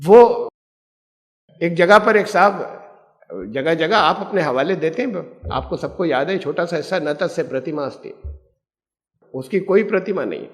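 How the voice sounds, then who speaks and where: A man's voice: on the high side, pauses often. A man teaching a Quran lesson as an Islamic scholar, explaining patiently and asking rhetorical questions. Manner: explanatory, poses rhetorical questions, mixes English terms. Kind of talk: Quran lecture. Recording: echoey hall reverb.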